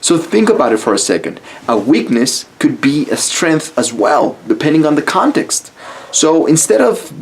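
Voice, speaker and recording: In a rough recording, a slightly high male voice swings widely in pitch at normal speed. He's a YouTube-style coach from Mexico who speaks English as a second language with a Mexican Spanish accent, delivering blunt, casual, profanity-laced motivation to camera.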